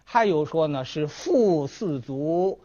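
Animated male history storyteller. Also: fairly high pitch, slow. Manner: animated, acts out dialogue. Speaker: history lecturer. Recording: dull lo-fi recording.

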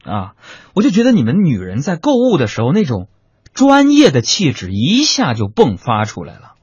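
A man telling a comic story, chatty and animated, talking to his listeners as friends. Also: medium pitch, moderate pace, husky, dry recording. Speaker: comedian. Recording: dry lo-fi recording.

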